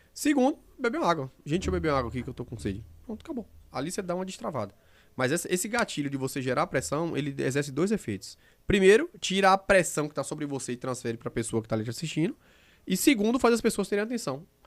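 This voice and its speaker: In a very clean recording with a silent background, a man talks at a very fast pace and fairly high pitch, with vocal fry and very wide pitch swings. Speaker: podcast co-host and vascular doctor. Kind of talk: casual chat.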